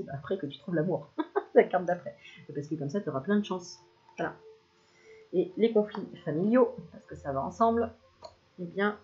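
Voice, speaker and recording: A woman giving a casual spiritual card reading to the viewer, chatty and quick to laugh, self-filmed at home. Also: on the low side. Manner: chatty, laughs often, addresses viewer familiarly. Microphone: self-filmed camera. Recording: slightly dull lo-fi sound, faint hiss.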